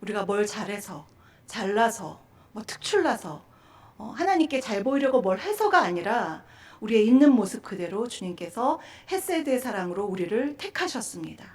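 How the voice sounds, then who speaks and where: A woman's voice: mid-range voice, sing-song, normal speed, a little mellow. A middle-aged woman pastor giving a sermon at a Friday prayer meeting, earnest, with frequent fillers and short acted-out quotes.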